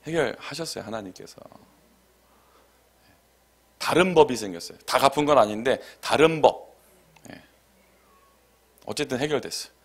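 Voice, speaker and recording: A man's voice: medium pitch, animated, normal speed, pauses often. A man preaching a Friday night sermon as pastor, telling a personal story in a chatty, conversational way. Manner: conversational storytelling with acted quotes and laughter. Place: church sanctuary.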